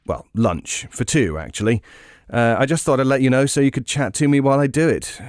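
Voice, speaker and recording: A man's voice: medium pitch, animated, a little fast, dry recording, clean studio sound, close to an everyday voice. An actor playing a chatty English male podcast investigator in a naturalistic audio drama, casual and slightly hesitant. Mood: eager, casual.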